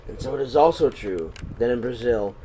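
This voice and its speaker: A man's voice: mid-range voice, animated, brisk. Man reading a children's story, noisy background. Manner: dramatic, swinging between hushed and projected. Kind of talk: expressive read-aloud storytelling. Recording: clear background noise.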